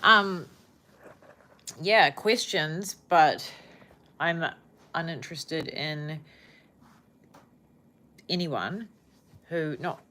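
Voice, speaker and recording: On a livestream, a young New Zealand woman rambles casually to her viewers, frequently hunting for the right word. Her voice is medium-pitched and a bit bright.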